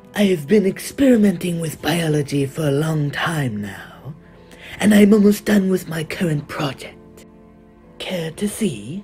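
A man speaks with a high voice and lively intonation at a moderate pace. Music plays clearly in the background. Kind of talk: comic overacting. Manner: pompous, condescending, exasperated.

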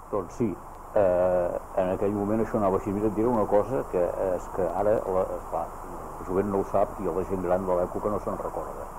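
A man talks at a moderate pace in a fairly low pitch with monotone, flat intonation. Noticeable background noise is present. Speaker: former local politician; former politician interviewee. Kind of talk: interview. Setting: at home. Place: home room. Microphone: handheld.

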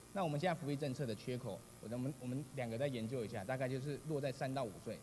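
There is light background noise. A man speaks at a very fast pace. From Taiwan. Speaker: city councillor. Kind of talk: council interpellation. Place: hall. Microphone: podium.

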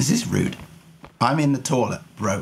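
A man's medium-pitched voice with lively intonation at a fairly slow pace, over noticeable background noise. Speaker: gaming streamer. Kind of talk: live gaming stream commentary. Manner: animated.

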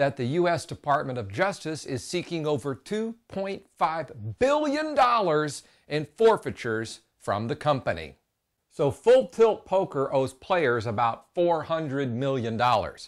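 A man speaks at a fairly slow pace with very wide pitch swings against a quiet background. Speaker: news show host. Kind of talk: comedic news commentary. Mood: sarcastic, jokey. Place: studio. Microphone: lapel.

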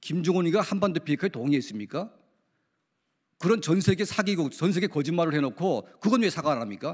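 A man speaks at a fairly quick pace in an animated tone, his voice high for a man with lively intonation over a quiet background. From North Korea. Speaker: activist. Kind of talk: press conference statement. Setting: press conference room. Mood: angry, denouncing. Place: hall. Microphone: podium.

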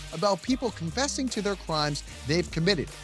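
An upbeat man with an American accent, fairly quick in pace, dry with no echo, over clear background music. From New Jersey. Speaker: TV host. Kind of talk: TV show trailer host read. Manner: casual, upbeat. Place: studio. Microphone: lapel.

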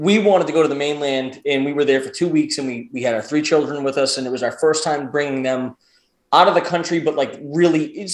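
Audible room echo surrounds a man speaking at a fairly quick pace with an American accent. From United States. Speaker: podcast co-host. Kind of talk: casual chat. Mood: enthusiastic, chatty. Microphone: earbuds.

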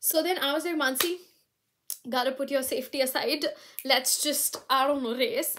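A woman talks at a fairly quick pace in an animated tone. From India. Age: 20s. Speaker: student vlogger. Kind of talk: vlog. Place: home room. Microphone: phone near.

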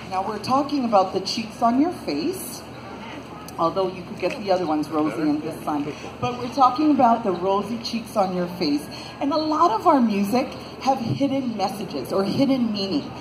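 Pitch swings very widely throughout, with noticeable background noise behind the speech. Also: woman, medium pitch for a woman, moderate pace. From Hawaii. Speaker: hula instructor. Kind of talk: live show commentary to audience.

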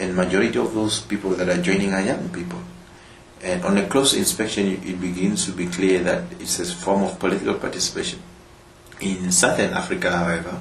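The voice moves at a moderate pace with ordinary pitch variation. Audible room echo and light background noise are present. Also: man. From Namibia. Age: young. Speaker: politician. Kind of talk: interview answer. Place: hall.

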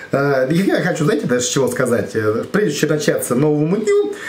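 A man speaks at a moderate pace. Room echo is audible around his voice. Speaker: vlogger reviewing another channel. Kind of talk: casual vlog chat. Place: home room. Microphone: phone near.

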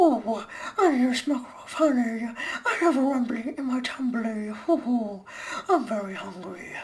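In a put-on character voice with a fairly high pitch, the speaker goes at a fairly slow pace with long, frequent pauses, and background noise is clearly audible.

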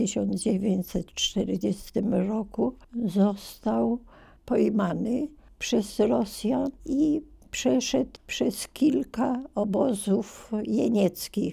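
Against a quiet background, a woman with a dark, mellow tone and vocal fry speaks at a very slow pace, with big swings in loudness. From Poland, Poznań; Poland. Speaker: oral history witness; witness. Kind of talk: oral history testimony; interview answer. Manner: halting. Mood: quiet, reflective, somber.

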